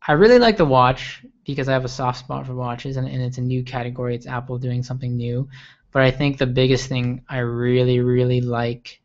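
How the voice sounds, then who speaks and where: A man's voice: medium pitch, fairly even intonation, brisk. A young man hosting a live tech stream, answering viewer questions in an eager, rambling way and often repeating words. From Okinawa, Japan. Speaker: livestream host. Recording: lo-fi livestream audio.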